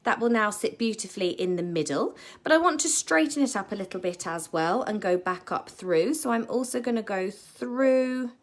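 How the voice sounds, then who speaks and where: Croaky British woman, chatty live craft tutor, steady middle pitch. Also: normal speed, few pauses. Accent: British English. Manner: chatty, with many ums and self-corrections. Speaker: beading tutor.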